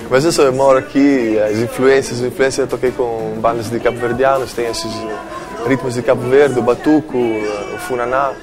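Man, touches, mid-pitched, halting casual interview, music behind. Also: steady tone. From Italy. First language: Italian.

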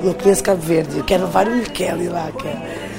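A woman from Portugal with a European Portuguese accent and a deep, thick voice, telling her story casually as an interviewed singer. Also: quick pace, gravelly. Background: music.

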